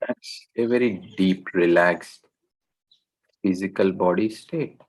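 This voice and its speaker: Male meditation guide, slow and gentle, with a low voice and deliberate pauses. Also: rough recording. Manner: gentle, deliberate, short phrases with long pauses.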